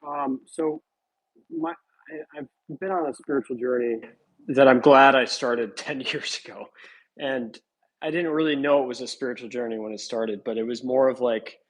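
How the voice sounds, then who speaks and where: A man talking casually as a guest on a call, in a halting, rambling way with many restarts, his covered mic audio cutting out and sounding distant. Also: medium pitch, fairly even intonation. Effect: choppy, cutting-out mic audio that sounds distant. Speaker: guest on an online talk show. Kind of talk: casual chat over a call. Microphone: covered computer mic on a call.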